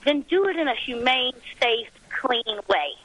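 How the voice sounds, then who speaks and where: A woman's voice: high-pitched, lively intonation, unhurried, a bit bright, breathy edge, poor audio. A woman with an Ohio accent, a convenience store worker talking earnestly on a call and repeating herself carefully. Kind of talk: casual chat.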